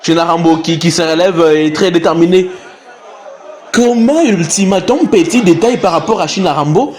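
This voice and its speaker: A man's voice: high-pitched, lively intonation, moderate pace, darkish tone. A man with a Congolese French accent giving live play-by-play commentary of a wrestling match, repeating phrases and exclaiming.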